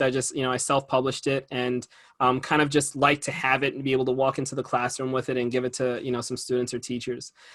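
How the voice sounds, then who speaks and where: Here is a man with an American accent talking at a very fast pace in a bright, sharp tone. The recording is very clean, with a silent background. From New Jersey. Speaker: elementary school teacher and poet. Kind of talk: interview answer.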